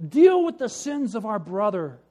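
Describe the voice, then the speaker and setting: A man's voice: high-pitched, big pitch swings, normal speed, dark tone, pitched above the performer's own voice. A man voicing a self-righteous, fault-finding brother who eagerly accuses others. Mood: accusing.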